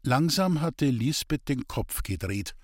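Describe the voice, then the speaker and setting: A man narrating a classic novel in a steady, measured audiobook reading. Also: mid-range voice, no echo, clean studio sound. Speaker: audiobook reader.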